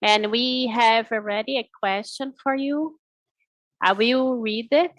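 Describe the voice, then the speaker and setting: A woman's voice: a little high, slow, a bit bright, no room sound. A woman moderating an online lecture, reading out audience questions carefully. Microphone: video call.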